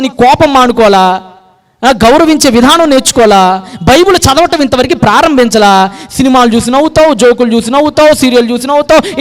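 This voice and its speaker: High-pitched animated male preacher. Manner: animated preaching, swings between loud emphasis and hushed quoted prayer. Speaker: pastor. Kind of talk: sermon.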